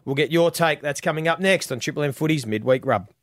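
A man's voice: fairly high pitch, background noise. An Australian man hosting a football radio show, teasing his co-hosts in casual banter and leading into breaks. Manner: brisk, teasing, runs the segments.

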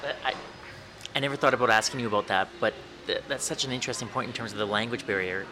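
A man's voice: mid-range voice, fast talker, noisy background. A man hosting an interview, asking questions with frequent stumbling restarts. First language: English. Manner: stumbling repeated starts. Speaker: interviewer host. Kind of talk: conversational interview.

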